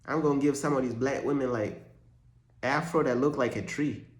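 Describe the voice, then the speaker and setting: A man's voice: mid-range voice, steady tone, normal speed, echoey room. A young man from Uganda giving a joking, slangy faith vlog monologue as a Christian content creator.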